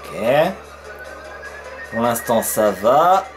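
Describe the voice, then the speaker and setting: A man's voice: mid-range voice, big pitch swings, very slow. A man giving casual let's play commentary, chatty and peppering his talk with fillers, swearing when surprised. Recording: faint game music behind.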